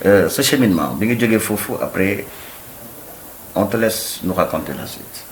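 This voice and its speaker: Low-voiced male host, steering an interview, echoey room. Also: lively intonation, moderate pace. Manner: guiding questions, mixing French and Wolof. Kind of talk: casual interview chat. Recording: echoey room with faint noise.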